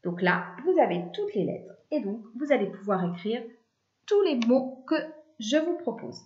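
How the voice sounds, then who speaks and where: A woman teaching children to spell two-syllable words, explaining slowly and patiently syllable by syllable. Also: a little high, big pitch swings, darkish tone. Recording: echoey room, dull lo-fi sound.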